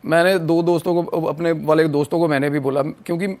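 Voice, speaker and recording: A man from Punjab, telling a story as a podcast guest in an animated way, mixing in English phrases. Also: a little high, fairly quick. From Punjab, India. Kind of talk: casual storytelling.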